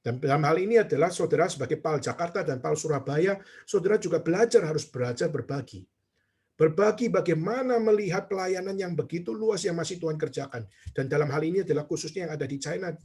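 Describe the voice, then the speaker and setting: A pastor preaching a sermon in Indonesian, telling stories and asking the congregation rhetorical questions. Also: male voice, a little high, slightly rough. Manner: storytelling, quoting others, rhetorical questions to the congregation.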